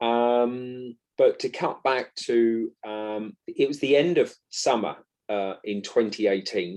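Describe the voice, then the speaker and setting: A man with a British accent, at a very slow pace. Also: medium pitch for a man, ordinary pitch variation. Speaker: chronic pain patient sharing recovery story. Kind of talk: interview testimony.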